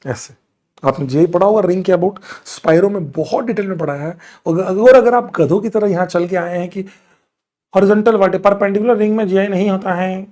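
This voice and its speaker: A man's voice: sits high, brisk, darkish tone. A man teaching chemistry in a live online class, answering student doubts from the chat and scolding and teasing them as he goes.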